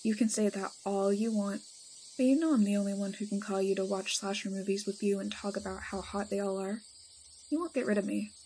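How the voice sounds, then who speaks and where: A woman's voice: medium pitch, steady tone, a little fast, warm tone, a little hiss or hum, close to an everyday voice, poor audio. A woman acts out a playful female vampire in an audio roleplay. She talks casually and affectionately to a friend, with teasing, dramatic exaggeration. Faint insect-like night ambience sits behind her voice. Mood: playful, mock hurt.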